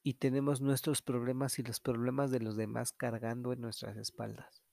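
A man talks through a solo podcast episode, his voice roughened by a steady vocal fry. He speaks openly and reflectively, in a confessional tone. The recording is dry and close, with no room sound. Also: medium pitch, moderate pace, dry recording. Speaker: podcast host.

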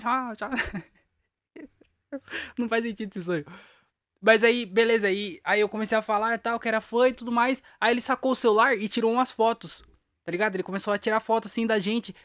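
Alone on his podcast, a young host tells a meandering, slangy story and chuckles at his own expense. He sits high and a bit bright, and the studio sound is clean with no room sound.

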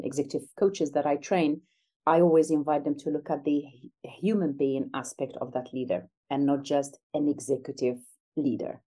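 Her voice is deep and warm: a middle-aged woman from Algeria, interviewed as a guest, speaks in a reflective, conversational way and is earnest and emphatic when discussing her coaching work.

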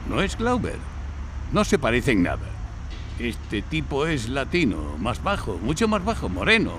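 Agitated investigator, wildly swooping voice. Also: male voice, mid-range voice, wildly swooping pitch, measured pace, a bit bright. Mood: insistent, baffled. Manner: emphatic, repetitive, exclamatory. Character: male police investigator at a street shooting, agitated, insistent. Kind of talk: spy audio drama acting before an audience. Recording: noisy live recording with street sounds.

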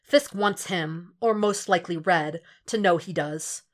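A woman's voice: fairly low pitch, unhurried. A woman reading scripted fiction aloud as an audiobook narrator, in a dramatic storytelling style.

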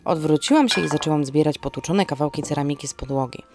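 A woman's voice: deep voice, fast, over music. A woman hosting a podcast and narrating a scripted first-person story in a wry, theatrical manner.

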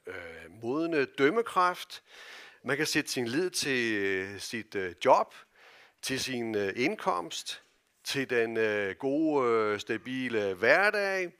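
Danish pastor preaching, loud then hushed. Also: male voice, medium pitch. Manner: earnest, wide swings from loud calls to soft hushed phrases; halting, with many fillers and restarts. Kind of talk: sermon. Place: church.

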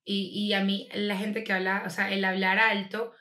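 A woman's voice: medium pitch, little pitch movement, normal speed, sharp tone. A young woman with a Venezuelan accent giving blunt opinions in a casual chat with a friend. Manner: blunt, opinionated, acts out quotes. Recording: roomy echo.

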